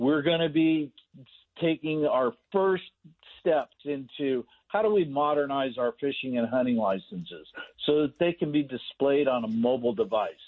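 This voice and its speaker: Holding a very even loudness, a man with an unremarkable speaking voice talks at a moderate pace, his fairly high pitch moving with lively intonation. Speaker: state wildlife agency official. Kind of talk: casual interview, explaining by phone.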